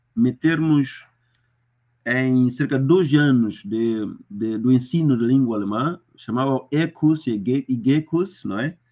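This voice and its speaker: A man with a Mozambican accent, medium pitch, ordinary pitch variation, a dark, mellow tone and a very slow pace. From Mozambique, Manica province. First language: a Mozambican Bantu language (speaking Portuguese). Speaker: sociologist and former workers' rights activist. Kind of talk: interview. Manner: hesitant with fillers.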